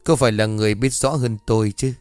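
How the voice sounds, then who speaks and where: A man's voice: steady tone, a little mellow, smooth, dry recording, faint music behind, lightly acted. A man doing a stern old monk. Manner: low, slow, solemn admonishing. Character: old male Buddhist monk, grave, stern.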